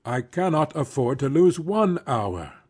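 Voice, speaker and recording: Husky, grave colonel, played by a man. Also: a little high, big pitch swings, measured pace, darkish tone, heavily acted. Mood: regretful, firm. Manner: formal, restrained, polite. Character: grave, courteous, reserved English gentleman colonel. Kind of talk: dramatised classic novel reading.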